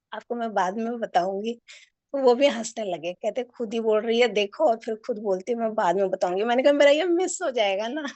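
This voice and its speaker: A woman's voice: fairly high pitch, darkish tone, dry recording. A woman student earnestly sharing her reflections in a class, rambling a little and addressing the teacher respectfully. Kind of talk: casual sharing in an online class.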